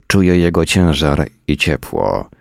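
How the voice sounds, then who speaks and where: A man reading a first-person story in a weary, deadpan manner at a close mic. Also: extremely low pitch, measured pace, creaky, no echo. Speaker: narrator.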